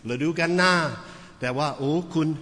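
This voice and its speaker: A man's voice: on the high side, moderate pace, pushed and bright. A Western man preaching a sermon, telling a story animatedly with many repeated words. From Western country. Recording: echoey hall.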